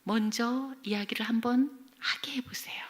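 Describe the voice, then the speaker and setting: Expressive middle-aged woman lecturer, higher voice. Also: moderate pace. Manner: expressive storyteller, often dropping to a near whisper. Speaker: Christian education professor lecturing. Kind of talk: church lecture with acted anecdotes.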